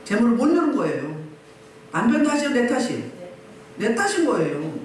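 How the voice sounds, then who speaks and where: A woman's voice: on the high side, very animated, fairly quick, darkish tone, a little hiss or hum. A woman pastor preaching a sermon, firing emphatic rhetorical questions at her congregation. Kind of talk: sermon at a healing service. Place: church hall. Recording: very echoey hall, mic at a distance.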